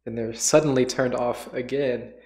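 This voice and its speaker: A man with a mid-range, slightly mellow voice speaks at a moderate pace with fairly even intonation. He's hosting a casual chat, reacting to a radio play and searching for words, and the roomy space gives the recording an echo.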